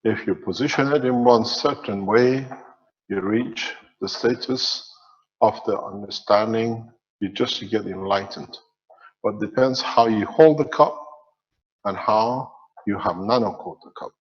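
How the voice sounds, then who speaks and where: A low-pitched man gives a slow, measured spiritual lesson, and his phrases tend to fade at the ends. The sound is dull and lo-fi, with a long reverb tail like a big hall. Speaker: teacher. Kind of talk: spiritual teaching lecture.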